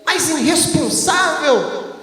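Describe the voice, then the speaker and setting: High-pitched pastor in an echoey hall. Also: male voice, slow pace, background noise. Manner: animated storytelling, acts out his wife's voice. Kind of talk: sermon. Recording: echoey hall, faint ambience.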